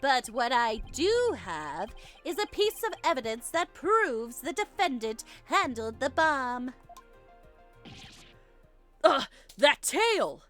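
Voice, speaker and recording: A woman with a high voice reads video game dialogue aloud for a playthrough. She takes her time, delivering lines slowly and theatrically with a playful streak. Faint game music runs behind her. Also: big pitch swings, fairly bright tone. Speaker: let's player reading game dialogue aloud. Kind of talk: gaming playthrough with dramatic read-aloud of characters.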